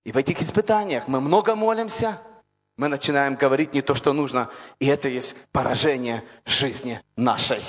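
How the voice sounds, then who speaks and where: A man preaching a sermon with impassioned, repetitive build-ups that rise to shouts. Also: mid-range voice, normal speed. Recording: dull lo-fi recording in a reverberant hall.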